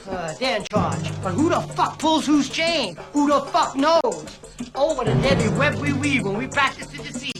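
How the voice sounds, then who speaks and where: An actor playing a paranoid, disgraced middle-aged former priest and spy, profane and rambling, in film audio with music. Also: male voice, extremely high pitch, expressive, normal speed. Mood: nervous. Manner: profane, rambling, panicky outbursts. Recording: film audio with loud score.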